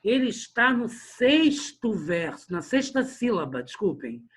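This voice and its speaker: This online literature teacher has a high, husky, fairly bright voice with big pitch swings and an unhurried pace. He talks straight to the class, often tacking "né?" and "olha só" onto his sentences.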